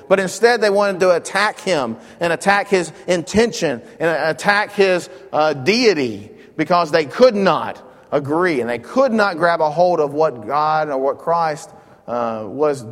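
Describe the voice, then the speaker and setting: A man leading an informal Bible study, earnest and conversational, thinking aloud as he explains a passage. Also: a little high. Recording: long hall reverb.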